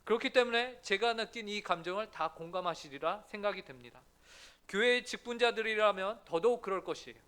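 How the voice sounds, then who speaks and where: A man's voice: high voice, animated, a little fast, sharp tone, clear, resonant tone. A man pastor giving an earnest sermon in a church, often putting questions to the congregation.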